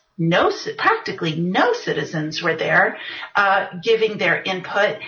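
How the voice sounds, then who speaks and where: Amid noticeable background noise and audible room echo, a woman speaks fairly slowly at a medium pitch. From born in US, raised in French-speaking Europe. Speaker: author and civic workshop teacher. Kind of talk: interview.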